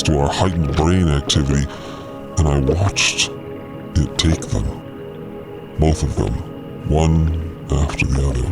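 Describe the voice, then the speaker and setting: Audio drama creature: bottomless low register, unhurried and measured, grave, mournful teacher. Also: male voice. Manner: halting, measured, somber. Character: strange liquid creature, grave grieving teacher, slow-spoken. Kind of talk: acted audio drama dialogue.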